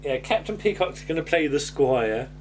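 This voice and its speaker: A man's voice: on the high side, expressive, moderate pace, slight background noise. A man chatting casually as a co-host recapping a comedy, hesitant and meandering, often repeating words and tailing off. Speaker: podcast co-host.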